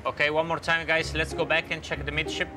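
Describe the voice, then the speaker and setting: Brisk male ship officer giving commands. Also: on the high side, flat delivery, over loud music. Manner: brisk, procedural. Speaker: ship's bridge officer. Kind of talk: radio commands on a ship's bridge.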